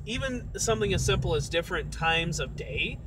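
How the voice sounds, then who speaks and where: A man's voice: high voice, very animated, a little fast. A young man chatting casually to his live-stream viewers from inside a car, rambling in a friendly way. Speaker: massage therapist vlogger. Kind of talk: casual live-stream chat while driving. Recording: loud road and car noise.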